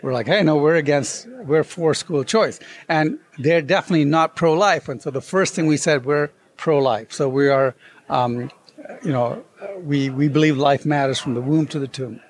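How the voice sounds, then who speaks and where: A guest author at a convention, his voice fairly high and his pace moderate, tells a story during an interview. He brings it to life energetically by voicing each quoted line.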